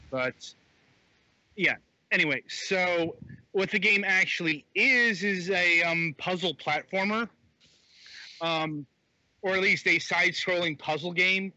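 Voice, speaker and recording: A man's voice: on the high side, slow pace, pauses often, bright, forceful tone, dry recording. Man on a dull phone mic. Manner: hesitant, many fillers and restarts. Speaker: podcast co-host reviewing games. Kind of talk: casual chat.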